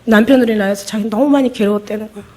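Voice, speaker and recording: A woman's voice: medium pitch, fairly even intonation, rapid-fire, a little mellow. A middle-aged woman pastor giving an emotional testimony sermon, acting out the voices in her story.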